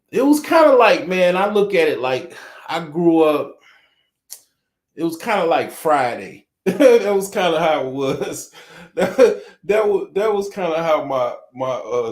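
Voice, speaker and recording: A man's voice: mid-range voice, darkish tone, roomy sound. A man from the suburbs, hosting a casual livestream, rambling with constant "you know" fillers and frequent chuckles. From Chicago suburbs, Illinois. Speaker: livestream host. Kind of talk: casual livestream chat reading viewer comments.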